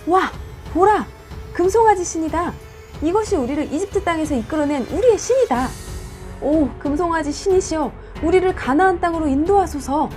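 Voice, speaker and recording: Woman hamming up shrill, excitable idol-worshipping villagers. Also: normal speed, faint music behind. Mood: awed, exultant. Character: excitable crowd of Israelites cheering a golden idol.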